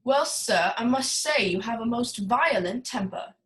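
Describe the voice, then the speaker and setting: A woman's voice: on the high side, animated, a little slow, fairly bright tone. A woman acting a jovial, wordy, scheming male crime boss in a film noir radio play, florid and theatrically genial. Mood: genially evasive.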